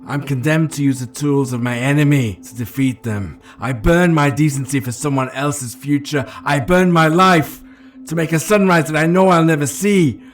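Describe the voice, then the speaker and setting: A man performs a brooding rebel spymaster, bitter and self-damned. The delivery is grave and deliberate, theatrical in a film-monologue way, with faint music underneath. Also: on the high side, natural voice. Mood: anguished, defiant. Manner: grave, deliberate, building to intense declamation. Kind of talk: dramatic movie monologue.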